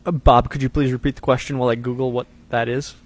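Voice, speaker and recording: A man's voice: mid-range voice, level tone, fast talker. A man co-hosting a live show, talking casually and rambling with fillers. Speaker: co-host of a live truck parts show. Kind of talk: casual chat.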